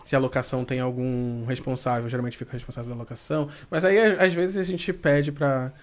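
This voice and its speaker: A man in casual podcast chat about his photo shoots who often breaks into high laughter. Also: steady tone, a little fast. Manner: laughs often, giggling high when amused. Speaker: photographer for a men's magazine.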